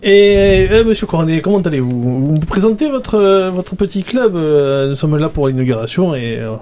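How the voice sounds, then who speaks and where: Mellow-voiced, halting male player. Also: fairly high pitch, expressive, a little hiss or hum. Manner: halting, stumbles over words. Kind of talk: in-character tabletop role-play.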